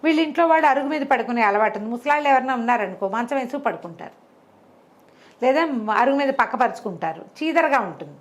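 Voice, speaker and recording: Female oral storyteller, slightly high pitch, colloquial and conversational with animated asides. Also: fast talker. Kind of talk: conversational oral storytelling of a folk moral tale.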